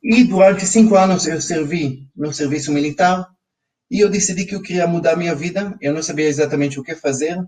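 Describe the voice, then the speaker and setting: Israeli accent guy coaching money stuff live online, keeps saying ok?, kinda high voice. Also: a little fast, far from the mic, rough recording. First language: Hebrew. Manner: energetic, audience-prompting with frequent ok?. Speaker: financial coach.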